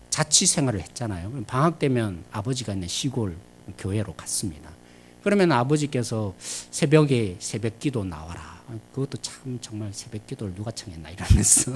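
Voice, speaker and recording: A Korean pastor, a man, preaching a midweek sermon in a church, animated and shifting between loud emphasis and quiet asides. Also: fairly low pitch, a little hiss or hum. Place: church sanctuary.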